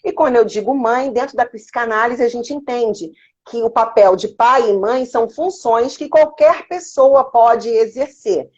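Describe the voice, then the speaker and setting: A woman's voice: a little high, a little slow, darkish tone, dull audio. A woman with a Brazilian Portuguese accent teaching a psychoanalysis lesson, explaining through rhetorical questions and everyday examples.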